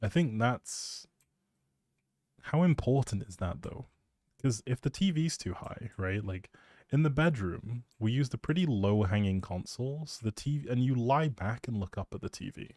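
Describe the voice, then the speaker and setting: Mellow man rambling casually on a stream. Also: mid-range voice, expressive, moderate pace, no echo, clean studio sound. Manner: playful, teasing, thinking aloud. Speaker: live streamer.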